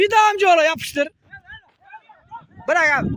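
Speaking at a moderate pace with an Afyonkarahisar accent, a man with an extremely high pitch uses an animated tone and ordinary pitch variation. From Afyonkarahisar, Turkey. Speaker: villager filming a match. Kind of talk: amateur football commentary. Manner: lively, animated.

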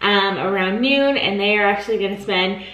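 A woman speaks with ordinary pitch variation, and the room echo is audible. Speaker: vlogger. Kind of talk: casual vlog chat. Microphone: camera far.

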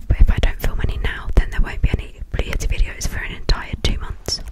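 A woman speaks at a fairly quick pace. Loud noise fills the background. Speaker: ASMR creator. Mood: hopeful, slightly anxious. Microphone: studio mic.

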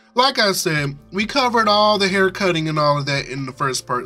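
A man is speaking while faint music plays in the background. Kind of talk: casual tutorial commentary. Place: shop.

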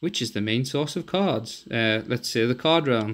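A man at a medium pitch with lively intonation, talking fairly slowly in a very clean recording with a silent background. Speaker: mobile game reviewer. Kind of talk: casual game review talk. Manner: hesitant, many filler words.

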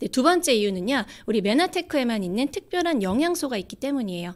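A woman speaks at a very fast pace with very wide pitch swings. The background is quiet. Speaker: presenter of a health product lecture and meeting host. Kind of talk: business presentation lecture. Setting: online video broadcast. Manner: clear, polished, announcer-like. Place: studio. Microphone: studio mic.

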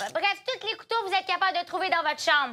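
With a Quebec accent, a woman speaks at an extremely high pitch in a raised, projected voice. Her tone is bright and sharp, and her intonation is lively. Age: 20s. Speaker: comedian. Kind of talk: comedic sketch. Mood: playful sarcastic humour. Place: studio.

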